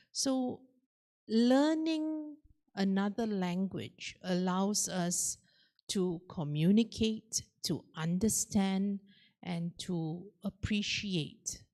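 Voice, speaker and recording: A woman from Singapore with a Singaporean English accent, giving a measured, explanatory answer on a panel with frequent fillers. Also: fairly low pitch, a little mellow. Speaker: forum panelist.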